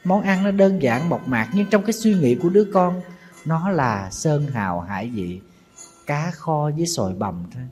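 A man's voice: fairly high pitch, animated, normal speed, darkish tone, soft background music. A middle-aged man, a Buddhist monk with a Southern Vietnamese accent, telling a sad story in a sermon and speaking straight to his listeners. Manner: mournful storytelling, calls himself teacher and addresses listeners directly.

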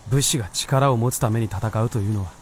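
A man's voice: lowish voice, fairly quick, a little mellow, a little hiss or hum, lightly acted. An actor playing an earnest, naive, youthful male white fox in a radio drama, polite, hesitant and easily flustered. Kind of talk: Japanese radio drama acting.

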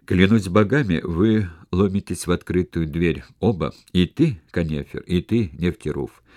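A shrewd, patient plotter, voiced by a man reading a novel talks his allies down in a measured, persuasive way. His voice is low and mellow, recorded close and dry. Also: dry recording. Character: shrewd, cautious male conspirator, calm schemer. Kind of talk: audiobook character reading.

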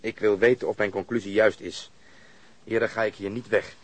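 Man acting as a insistent police detective, husky low voice, sardonic, radio drama. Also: flat delivery, normal speed, no echo, natural voice. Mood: stubborn, menacing. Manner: blunt, insistent interrogating. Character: stubborn, sardonic male police detective pressing a witness.

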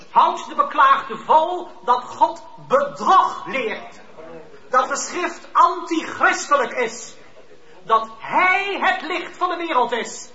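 A man's voice: very high-pitched, sharp tone, exaggerated voice. An actor playing a pedantic, indignant clergyman who makes formal, long-winded accusations in a radio drama. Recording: roomy, dull lo-fi radio recording.

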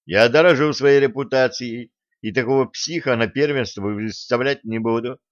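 A man voicing a hot-tempered older male fencing coach who scolds loudly in an audiobook reading. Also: medium pitch, moderate pace, no echo, lo-fi sound, close to an everyday voice. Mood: exasperated. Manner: scolding, loud, exasperated.

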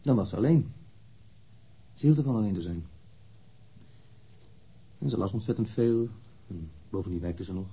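An actor playing a defensive, wounded lover under police questioning in a radio drama, speaking bluntly and candidly. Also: male voice, lowish voice, expressive, moderate pace, pauses often, dark tone, slightly rough, full character voice. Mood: resigned, candid.

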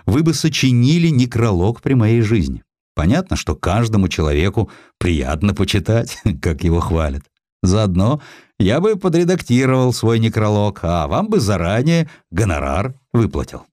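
A man voicing a wry, fatherly elderly editor and retired general in an audio drama, speaking in an avuncular, deliberate way. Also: lowish voice, very animated, a little mellow, dry recording. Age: older.

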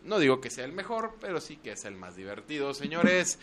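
High-pitched, exuberant Mexican male radio host. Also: sing-song, a little fast, fairly bright tone. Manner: teasing, foul-mouthed, exuberant. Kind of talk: lively comedic radio banter.

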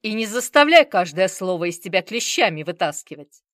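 A woman's voice: medium pitch, big pitch swings, brisk, fairly bright tone, no echo, studio quality. A woman voicing a menacing male gang boss who barks threats and orders. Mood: interrogating.

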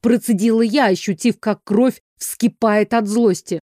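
A woman narrating an audiobook in first person, in a measured, expressive reading on a close mic. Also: on the high side, no room sound.

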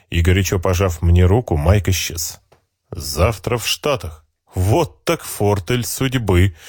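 A man narrating a first-person audiobook in a wry, reflective, steady way. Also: fairly low pitch, dry recording, studio quality.

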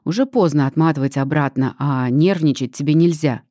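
A woman's voice: low voice, fairly quick, warm tone, dry recording, pitched below the performer's own voice. Woman voicing a weary soothing stepfather. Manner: soothing, placating. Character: middle-aged stepfather, weary peacemaker.

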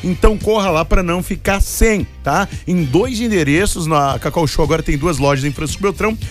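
A man, hosting a radio show, joking with his co-host and reading sponsor plugs in a rushed announcer style. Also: a little high, soft background music. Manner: jokey, rushed announcer delivery. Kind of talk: casual radio banter and live sponsor plugs. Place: radio studio.

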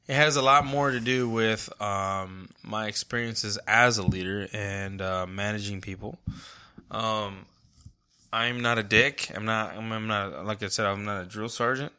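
A man, an Army captain, talking in a casual podcast interview, relaxed and hesitant with many fillers and restarts. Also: on the low side, unhurried, clear, resonant tone.

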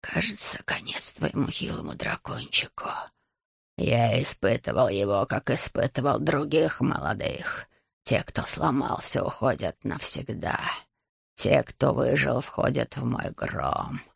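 A storybook reader voicing a huge menacing male night dragon, speaking in a slow, threatening, half-whispered growl. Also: expressive, creaky, fairly bright tone, slightly rough, no echo, studio quality, heavily acted. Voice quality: low rumbling growl.

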